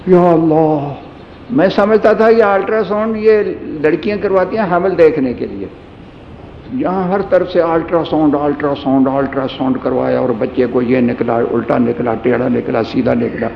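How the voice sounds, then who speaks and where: A man's voice: a little high, fairly even intonation, creaky, slight background noise. A man giving a sermon, telling a humorous personal anecdote in a storytelling manner. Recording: echoey hall, dull lo-fi sound.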